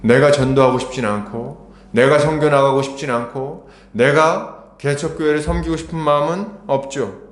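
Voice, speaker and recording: A man's voice: steady tone, normal speed. A middle-aged man pastor preaching a sermon in a church, conversational and full of rhetorical questions. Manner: grows urgent and raised in pitch. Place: church sanctuary. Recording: echoey church hall.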